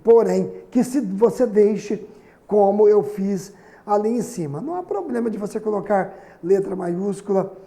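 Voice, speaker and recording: A man's voice: high-pitched, animated, a little slow, warm tone. A Brazilian man teaching a recorded grammar lesson, chatty, with frequent tag questions and fillers. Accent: Brazilian Portuguese.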